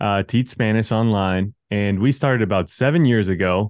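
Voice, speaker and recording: A man talks in a plain, everyday voice, medium in pitch, with lively intonation at a moderate pace. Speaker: finance podcast co-host, business owner. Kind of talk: casual interview conversation. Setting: remote call from a home.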